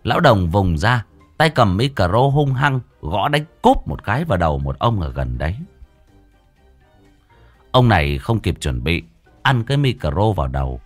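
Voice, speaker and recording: A man telling a comic story in lively, colloquial narration. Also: lowish voice, normal speed, no echo. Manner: lively colloquial narration with loud put-on voices. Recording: faint music behind.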